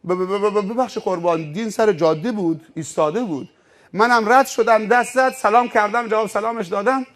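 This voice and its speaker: A man's voice: high-pitched, fairly bright tone. A man voicing a frightened rich driver in a sermon story, who apologises and stammers. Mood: pleading.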